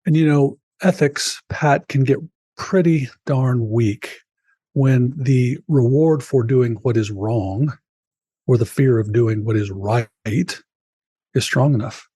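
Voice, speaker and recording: Husky-voiced man telling his story earnestly. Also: mid-range voice, slow, mellow, no echo, clean studio sound. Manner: earnest, reflective, addresses host by name. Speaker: podcast guest, author. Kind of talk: personal storytelling in an interview.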